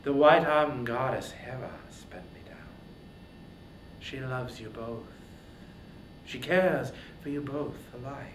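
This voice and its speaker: Man voicing a solemn, slow-spoken war goddess. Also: medium pitch, far from the mic, lightly acted. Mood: calm, solemn. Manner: solemn, measured, commanding. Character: commanding grey-eyed war goddess, solemn and composed. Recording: roomy echo, faint background noise.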